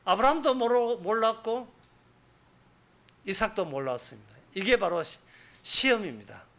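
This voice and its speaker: A man's voice: high-pitched, expressive, normal speed, bright, forceful tone. A male pastor with a Gyeongsang accent preaching a sermon in a colloquial way, full of rhetorical questions. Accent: Gyeongsang Korean.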